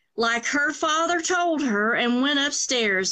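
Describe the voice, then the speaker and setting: A woman projects a raised voice at a high pitch. She moves at a very slow pace with lively intonation. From Kentucky. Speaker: psychic medium and show host. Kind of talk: casual live chat, with a story read aloud. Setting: live video broadcast on phone.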